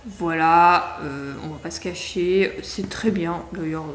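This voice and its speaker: A woman's voice: fairly low pitch, takes it slowly, roomy sound. Chatty French woman vlogging about books. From France. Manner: chatty, rambling with many fillers and restarts. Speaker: book vlogger. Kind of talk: casual chat vlog.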